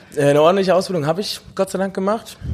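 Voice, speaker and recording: There is noticeable noise in the background. A man is speaking. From Siegerland, Germany. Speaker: pub owner. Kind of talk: casual chat. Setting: in a pub.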